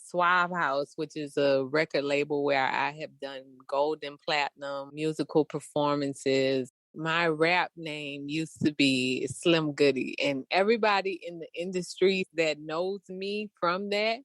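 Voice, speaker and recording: A woman's voice: deep voice, fairly even intonation, no room sound. Talkative woman. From born in New York, raised in New Orleans. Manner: warm, talkative, quick bursts of speech. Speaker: guest, rapper. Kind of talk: casual interview over a call. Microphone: remote call.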